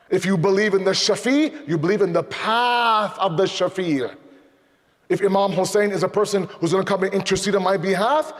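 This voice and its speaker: A man giving a sermon in English, animated, asking rhetorical questions and slipping Urdu and Arabic phrases into his talk. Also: sits high. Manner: animated, acts out imagined dialogues, rhetorical questions. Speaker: speaker at a Muharram night program. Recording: long hall reverb.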